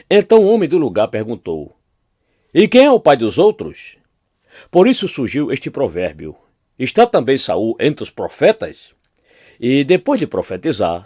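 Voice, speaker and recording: A man's voice: mid-range voice, darkish tone, no room sound, studio quality. A man with a Brazilian Portuguese accent, a pastor reading Bible chapters aloud and lifting his voice for quoted speech.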